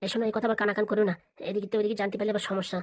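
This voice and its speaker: A man voicing a bossy, impatient middle-aged husband in a cartoon, gossipy and hurried. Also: sits high, flat delivery, no room sound, voice pushed down, close to an everyday voice.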